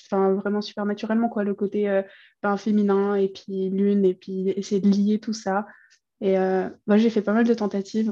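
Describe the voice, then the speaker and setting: A woman's voice: mid-range voice, mellow. Giggly woman illustrator, dull lo-fi sound. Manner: chatty, laughs often, many fillers. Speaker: illustrator guest. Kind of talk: casual podcast interview.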